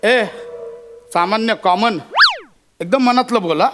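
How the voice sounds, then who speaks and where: An actor playing a pompous, hot-tempered local politician in a stage comedy sketch, bossy and quick to take offense. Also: male voice, sits high, loud music behind the voice. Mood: suspicious. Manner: bossy, easily offended, loud outbursts.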